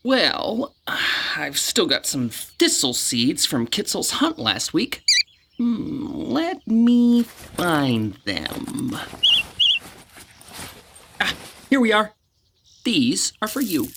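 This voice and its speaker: A man's voice: sits high, huge pitch swings, drawn-out words, vocal fry, pauses often, heavy background noise, full character voice. A young man playing a timid, earnest village clerk and storyteller in an audio drama, with a hesitant, stammering delivery. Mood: gentle, musing. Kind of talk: audio drama acting, first-person storytelling.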